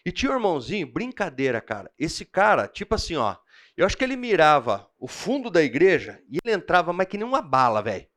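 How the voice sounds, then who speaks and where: A man with a Brazilian Portuguese accent teaching a church Bible class, telling animated personal stories in a slangy, chatty way. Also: fairly high pitch, fast talker.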